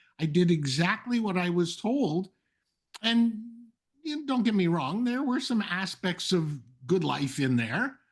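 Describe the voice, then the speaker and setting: A man speaks fairly slowly in a high pitch. His pitch swings very widely. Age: 70s. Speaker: retired business owner, author. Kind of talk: interview conversation. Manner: halting, frequent repetitions.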